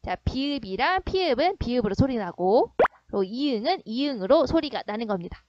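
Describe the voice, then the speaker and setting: A woman's voice: a little high, very animated, a little fast, a little mellow, dry recording. A woman teacher giving an online grammar lesson, explaining step by step and often checking that students follow. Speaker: middle school Korean teacher. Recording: dry, dull lo-fi sound.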